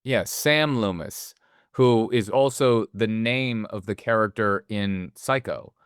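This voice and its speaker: A man's voice: fairly low pitch, slow, clean tone, dry recording, studio quality. A man co-hosting a casual film podcast, rambling and swearing freely as he talks. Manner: rambling, swears freely, stumbles over restarts. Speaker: podcast co-host.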